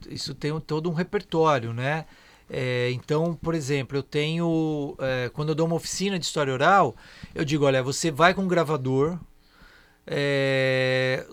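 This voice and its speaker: A man's voice: on the high side, fairly bright tone. A man, hosting a casual discussion and explaining at length, often checking in with tag questions. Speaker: podcast host and history teacher.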